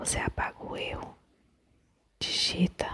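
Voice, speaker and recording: A woman whispers in a calm tone at a fairly slow pace. Noticeable background noise is present. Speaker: ASMR audiobook reader. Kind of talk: ASMR book reading, self-help. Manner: soft-spoken, whispered, calm.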